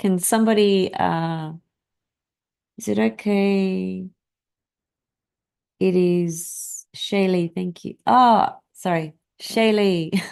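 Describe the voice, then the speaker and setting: Speaking at a very slow pace, a woman leaves long, frequent pauses. Her pitch sits in the medium range against a quiet background. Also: ordinary pitch variation. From Australia. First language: Greek. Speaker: astrologer. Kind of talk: live stream chat. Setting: live stream. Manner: hesitant, many fillers.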